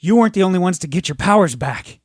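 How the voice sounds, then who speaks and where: A man's voice: high voice, animated, fast, no echo, voice pushed up. An agitated superhero cop, acted out by a man at a game table, urgent and exasperated. He swears as he talks, and the recording is close and dry. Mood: shocked, urgent. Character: agitated chain-smoking male superhero cop, gruff and urgent.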